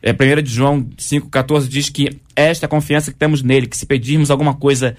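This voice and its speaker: A man's voice: medium pitch, fairly even intonation, quick pace. A man, a pastor, teaching on a talk show and citing Bible verses as he explains. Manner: explanatory, cites scripture verses.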